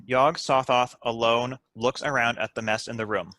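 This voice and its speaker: A man's voice: mid-range voice, steady tone, moderate pace, bright, forceful tone, no room sound. A man reading stage directions as scripted narration at a table read, in a matter-of-fact way.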